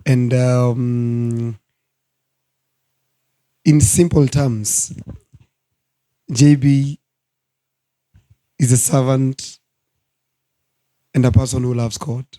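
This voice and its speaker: Hoarse man, earnest and dark-voiced. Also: mid-range voice, fairly even intonation, poor audio. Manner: slow, earnest, preacherly. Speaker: guest minister. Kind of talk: studio talk show interview. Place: studio.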